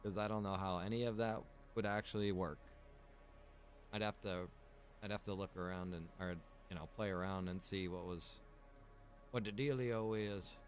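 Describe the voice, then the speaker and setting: A man's voice: deep voice, fairly even intonation, normal speed, faint music behind. An American man, a video game streamer, chatting casually during gameplay in a rambling, slangy, informal way with some mild swearing. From Pennsylvania, United States.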